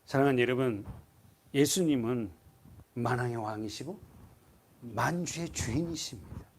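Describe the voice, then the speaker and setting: A man's voice: mid-range voice, normal speed, slight background noise. A man pastor preaching a sermon in a church, emphatic and full of rhetorical questions to the congregation. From South Korea. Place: church sanctuary.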